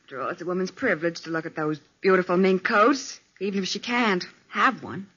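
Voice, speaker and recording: A woman's voice: on the low side, a little fast, a bit bright, slightly rough. An actress in 1940s radio style playing a perky, clever, eager female assistant to a detective. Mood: cheerful. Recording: dull old radio recording.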